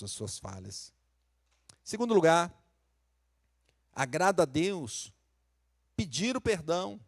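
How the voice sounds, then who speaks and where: A man's voice: fairly high pitch, no echo, studio quality. A middle-aged man with a Minas Gerais Brazilian accent preaching a sermon in a conversational way, rising to emphatic peaks. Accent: Brazilian Portuguese, Minas Gerais. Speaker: pastor.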